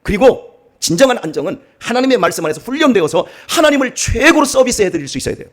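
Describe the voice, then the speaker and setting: A middle-aged man, a pastor, preaching a dawn sermon in a church, swinging from soft asides to emphatic exhortation. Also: very high voice, sing-song, fast talker. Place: church sanctuary.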